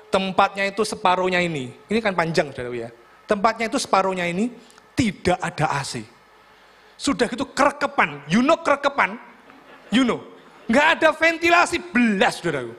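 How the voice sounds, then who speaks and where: A middle-aged pastor preaches in a church hall. His voice sits high for a man. He tells joking personal stories, turning to the congregation again and again. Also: a bit bright. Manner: humorous storytelling, addresses congregation as "saudaraku". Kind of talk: sermon.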